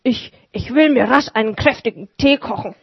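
A woman voicing a kindly, excitable old male shoemaker in a storybook reading, speaking eagerly with a raised voice. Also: on the high side, moderate pace, creaky, slightly rough, dry recording, full character voice. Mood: anxious. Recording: dull lo-fi recording.

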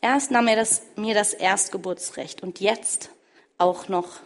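A woman's voice: medium pitch, slow. A woman reading the part of a betrayed elder brother, speaking bitterly in a sinking voice.

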